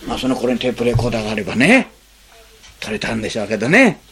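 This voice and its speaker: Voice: mid-range voice, big pitch swings, very fast, vocal fry, a bit bright, breathy edge. A pastor giving a conversational sermon, asking the congregation rhetorical questions and acting out short spoken lines. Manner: acts out short spoken lines in changing tones.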